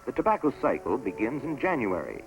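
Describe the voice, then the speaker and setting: A man giving scripted narration for a promotional documentary film in a measured, stately announcer delivery. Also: mid-range voice, wildly swooping pitch, creaky, low-quality recording. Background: orchestral music score.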